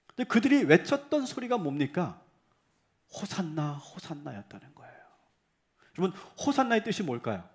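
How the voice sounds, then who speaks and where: A man, a pastor, preaching a sermon in a church and firing rhetorical questions at the congregation, sometimes rising to loud, emphatic cries. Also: high-pitched, big pitch swings, normal speed.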